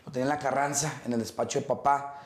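A middle-aged man, talking as an interview guest. His pitch sits in a middle register, and his stories ramble along with fillers and restarts. The room around him is echoey. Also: fast talker, a loud crowd. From Mexico. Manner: relaxed, rambling storytelling with many fillers and restarts. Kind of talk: casual interview conversation.

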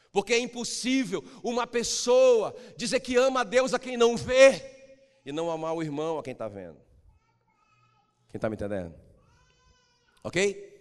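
A man preaching a sermon as pastor, emphatic, swinging between loud outbursts and low drawn-out lines. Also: long reverb tail.

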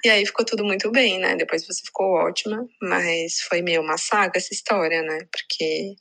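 Bright-voiced woman storyteller. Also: lowish voice, fairly even intonation, fairly quick, vocal fry. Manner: acts out quoted voices, drops to hushed tones. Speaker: podcast co-host telling a story. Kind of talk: animated casual storytelling.

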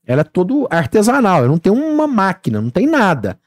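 A man in his 30s with a high voice talks fast as a guest on a casual podcast, with no room sound. He tells stories in an animated way, acting out what people said.

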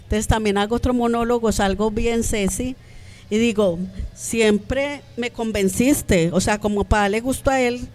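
A woman, a podcast guest, telling her own story in an animated, conversational way. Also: on the high side, fairly quick. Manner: animated, acts out quoted voices.

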